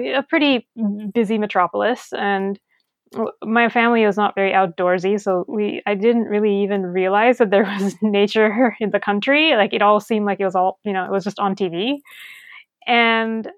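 A woman's voice: mid-range voice, dry recording, dull audio. A woman from Sri Lanka, a conservation scientist, speaking as a guest in a casual interview, chatty with many fillers and restarts.

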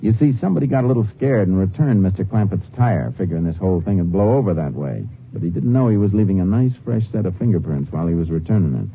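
Very deep-voiced stern lawman. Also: lively intonation, fast talker, few pauses. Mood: matter-of-fact. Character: stern, steady male Texas Ranger lawman. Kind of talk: 1950s western radio drama acting. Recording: muffled, hissy vintage radio recording.

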